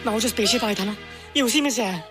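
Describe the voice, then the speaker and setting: A man's voice: high voice, racing, loud music behind the voice, natural voice. An actor playing a grown man with a child's mind, talking in a simple, boyish and innocent way, in film dialogue. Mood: pleading.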